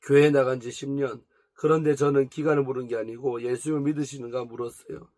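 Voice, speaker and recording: A man's voice: medium pitch, steady tone, fast, darkish tone, no echo, close to an everyday voice. A man reading as a probing pastor's wife. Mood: gentle. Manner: questioning, pointed. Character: probing, calm pastor's wife counseling a woman. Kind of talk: reading a story aloud.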